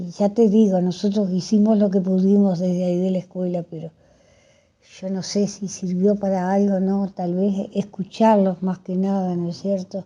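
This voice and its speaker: With a dark, mellow tone, a woman speaks in a monotone, flat way. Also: medium pitch for a woman, moderate pace. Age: 80s+. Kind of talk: interview testimony. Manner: halting, repeating words.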